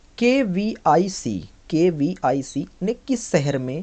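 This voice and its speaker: A man speaks in a high pitch with a dark, mellow tone. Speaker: current affairs exam tutor. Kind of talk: tutorial. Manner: slow; soft-spoken.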